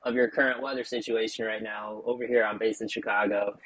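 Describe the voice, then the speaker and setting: A man's voice: on the low side, flat delivery, fairly quick, fairly bright tone, no echo, poor audio. An American man hosting a podcast, chatting casually with lots of fillers and small talk. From United States. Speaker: podcast host. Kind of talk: casual interview chat. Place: Chicago.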